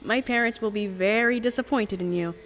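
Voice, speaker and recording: A woman's voice: mid-range voice, a little fast, fairly bright tone, lightly acted. A woman playing a cool, bluffing young heiress in an audio drama, composed, haughty and persuasive.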